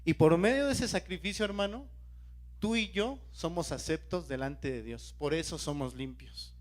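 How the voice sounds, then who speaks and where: A lay preacher delivers a sermon in a slightly high voice at a moderate pace, repeatedly calling out to the congregation, questioning them and urging them to stay alert.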